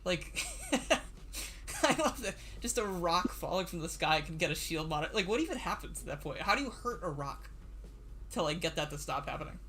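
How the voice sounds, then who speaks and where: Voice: medium pitch, expressive, fairly quick, a bit bright, slight background noise. A livestream host and series writer chatting casually on a computer mic, nervous, stammering and laughing often.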